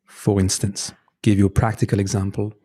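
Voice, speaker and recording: A man's voice: on the low side, little pitch movement, fairly quick, mellow, no echo. A man whose first language is French, giving earnest, practical advice in a casual podcast conversation, with frequent "you know" asides and restarts. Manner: gives practical advice, sometimes pointed. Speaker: guest, movement teacher.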